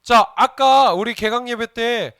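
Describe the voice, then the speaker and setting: A man's voice: extremely high pitch, slow pace, fairly bright tone, clear, resonant tone, no room sound, studio quality. A man, a junior pastor, giving a playful children's sermon and asking the kids questions as he goes. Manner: playful, asks the children questions and jokes with them.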